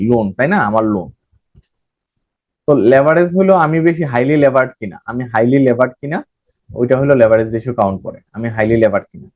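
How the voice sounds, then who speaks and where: Fast-talking male tutor. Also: mid-range voice, darkish tone, no room sound, muffled recording. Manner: explains by repeating phrases, mixing in English terms, self-corrects. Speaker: banking exam tutor. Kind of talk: recorded lecture.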